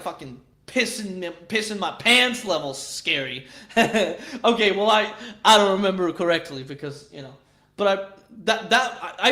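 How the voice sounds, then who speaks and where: A man with a Swedish accent and a high, sharp voice chats casually with viewers on a livestream. He rambles and swears, often restarting his sentences.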